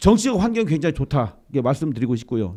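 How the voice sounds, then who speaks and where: A man's voice with very wide pitch swings. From Korea, Jeolla/Chungcheong (Iksan, Nonsan). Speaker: politician. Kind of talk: interview.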